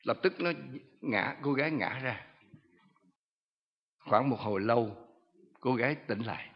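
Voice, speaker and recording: A man's voice: mid-range voice, measured pace, breathy edge, big-room sound, dull audio. A man, a pastor telling his testimony in a sermon, earnest and commanding.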